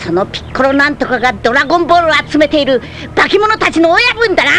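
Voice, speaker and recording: A woman's voice: sits high, sing-song, slow, fairly bright tone, slight background noise, full character voice. A woman voicing a brash, fearless country boy fighter in an anime, with a boyish voice and blunt rustic speech. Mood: blunt realization. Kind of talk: Japanese anime voice acting.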